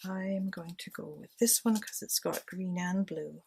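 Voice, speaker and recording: A woman's voice: lowish voice, unhurried, creaky, a little mellow, a little hiss or hum. A woman chatting casually to herself and her viewers while she decorates a handmade journal at home. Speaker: crafting vlogger. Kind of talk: casual crafting chat.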